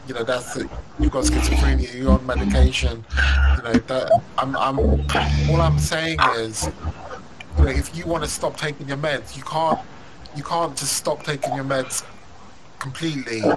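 A man's voice: medium pitch, steady tone, moderate pace. A man hosting an interview podcast, talking in a rambling way with many restarts and "you know"s. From London. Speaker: podcast host. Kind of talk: casual interview. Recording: loud background noise.

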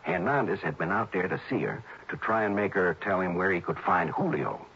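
An actor playing an earnest, worried male friend who explains in halting, hesitant phrases in an old radio drama. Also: deep voice, lively intonation, a bit bright, husky, full character voice. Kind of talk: 1950s-60s radio drama acting. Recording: dull old radio broadcast.

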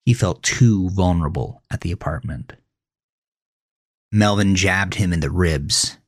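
A man's voice: low-pitched, a little slow, dry recording. A man narrating a horror thriller story in a scripted, dramatic storytelling style. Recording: close dry voice over faint music. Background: faint music.

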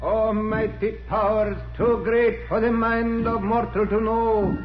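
Slow, high-pitched, sinister high priest. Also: male voice, level tone, dull audio. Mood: ominous incantation. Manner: slow, chanting, grandiose incantation. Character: solemn sinister male high priest praying for death. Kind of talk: 1940s radio acting. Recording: old radio recording, echoey, loud music.

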